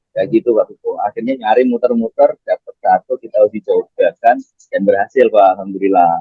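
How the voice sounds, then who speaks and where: Backed by music, a man with a Javanese accent talks with hardly any pauses. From Demak, Central Java. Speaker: laundry business owner. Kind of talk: interview.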